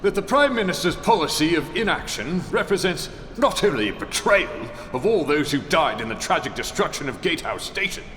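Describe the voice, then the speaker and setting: A high-voiced, indignant opposition leader speechifies in a science fiction audio drama. His delivery swings widely as he accuses and declaims, in an echoing hall with noise around him. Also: very animated, a little fast, few pauses, bright, forceful tone. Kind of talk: sci-fi audio drama parliamentary oratory. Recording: echoey hall, clear background noise.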